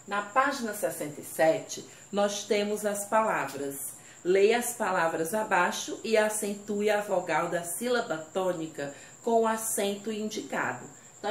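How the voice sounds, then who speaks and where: A Brazilian woman teacher gives a recorded lesson to young pupils. She talks slowly and patiently in a slightly low voice. The room around her is echoey, with a faint hiss of noise behind. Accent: Brazilian Portuguese. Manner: slow, patient, talks to children directly. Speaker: primary school teacher. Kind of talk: recorded remote class lesson.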